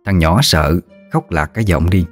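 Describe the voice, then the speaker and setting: Very deep male storyteller, somber ghost-story narration over faint music. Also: moderate pace.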